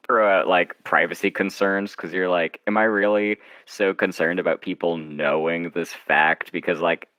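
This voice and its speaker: A man's voice: sits low, sharp tone, no echo, low-quality recording. A man interviewed as a writer, chatting casually and explaining things in a wry, self-interrupting way.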